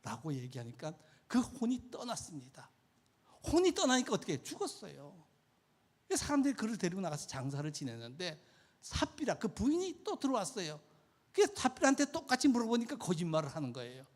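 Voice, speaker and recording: A man's voice: high-pitched, wildly swooping pitch, brisk. A man preaching a sermon as pastor in a church, retelling stories and acting out the voices in them. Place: church sanctuary.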